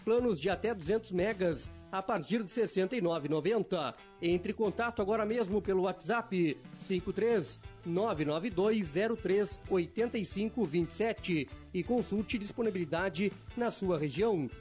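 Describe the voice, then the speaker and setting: A man's voice: sits high, normal speed, a little mellow, soft background music. A man reading a radio commercial in a punchy, salesy way. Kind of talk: energetic commercial read.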